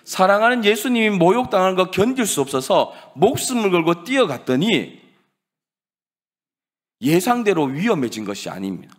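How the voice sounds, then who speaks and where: A male pastor preaching a sermon, dramatic and swinging from loud emphasis to hushed words. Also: high voice, very animated, moderate pace.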